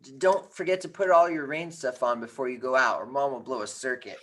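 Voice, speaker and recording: A man's voice: medium pitch, brisk, a bit bright, natural voice. A man playing a protective, affectionate boy, an older brother, in a screenplay table read. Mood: caring.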